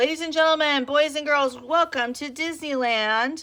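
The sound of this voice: At a moderate speed, someone performs in a put-on character voice. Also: woman, high pitch for a woman.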